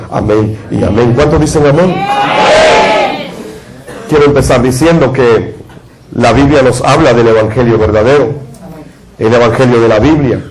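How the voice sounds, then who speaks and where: A man's voice: medium pitch, darkish tone, low-quality recording. A man from Guatemala, a preacher giving a sermon and leading a prayer with a repetitive, fervent cadence.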